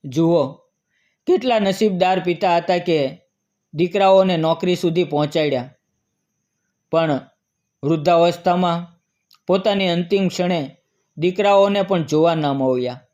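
Indignant village folk scolding two neglectful sons, as a male storyteller reads them. The lines are reproachful, in a slightly high man's voice. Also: measured pace, long pauses, darkish tone, dull audio. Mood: pitying.

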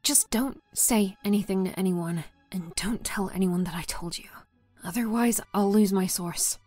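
An actress playing a caring, confiding female friend in an audio drama, soothing and often hushed. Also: mid-range voice, moderate pace, soft background music, natural voice.

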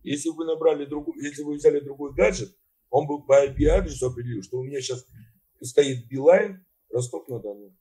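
70 yr old guy arguing on a video call, swears a lot, kinda dark mellow voice. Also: a little high, brisk. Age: 70s. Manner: blunt, swearing, dismissive. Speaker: chat roulette stranger. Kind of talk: argumentative video chat. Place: indoor room.

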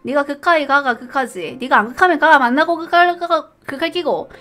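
A woman's voice: high voice, animated, a little fast, a bit bright, faint music behind. A young woman streamer casually talking through a quiz, reading questions aloud, puzzling over answers and laughing often.

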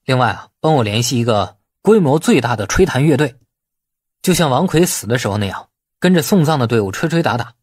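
A man voicing a shrewd, bossy man who gives orders in a brisk, casual, persuasive way in an audiobook. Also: medium pitch, lively intonation, a little mellow, husky, no echo, clean studio sound.

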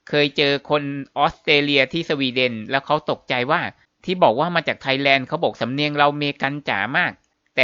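A man's voice: medium pitch, bright, forceful tone, no echo, dull audio. A man hosting a show, reading viewers' comments aloud and adding casual remarks of his own. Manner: reads others' stories, then adds casual remarks.

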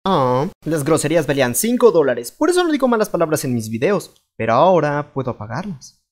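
A young man with a Latin American Spanish accent narrating a comedic cartoon storytime with an animated, playful delivery. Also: a little high, fairly quick. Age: young adult. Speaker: fandub narrator.

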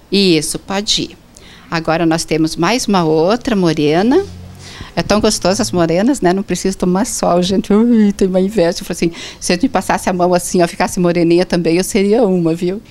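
A woman's voice: lowish voice, moderate pace, a little mellow. A woman hosting a children's fashion show indoors, cheerfully and sweetly coaxing the kids to pose. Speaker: show host. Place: indoor atelier.

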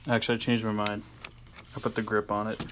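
A man's voice: fairly low pitch, completely flat delivery, quick pace, noisy background. A man talking casually and offhandedly in a home vlog, recorded on a handheld cell phone, with a little grumbling now and then. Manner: chatty and offhand, with mild grumbling. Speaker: camera vlogger.

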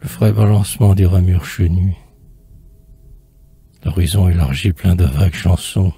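A man's voice: low voice, unhurried, mellow, slightly rough. A man reciting poetry in a solemn, theatrical manner, drawing out phrases and at times sinking toward a whisper. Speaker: poetry reader.

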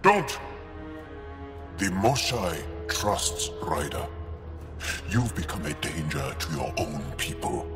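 An actor playing a resolute alien warrior in a video game, firm, grave and deliberate. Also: male voice, extremely low pitch, sing-song, heavily acted. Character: resolute male alien warrior pleading with a brother-in-arms. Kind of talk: dramatic video game acting. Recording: long hall reverb under loud music.

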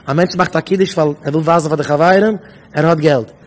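A man speaking in Yiddish with a Hasidic accent, giving a lively talk and acting out the voices of children and parents. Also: a little high, fairly quick. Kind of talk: Yiddish lecture to students.

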